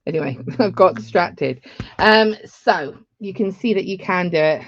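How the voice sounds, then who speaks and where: Woman, low voice, chatty beading tutor on a dull, dry lo-fi stream. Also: a little slow, no echo. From England. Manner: chatty, rambling asides. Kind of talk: live craft tutorial.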